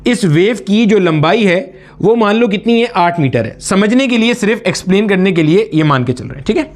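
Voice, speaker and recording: A man's voice: high-pitched, expressive, a little fast. A man teaches a physics exam-prep lecture. He explains each step, asks the class questions and answers them himself. He calls his students "beta" in a familiar, fatherly way.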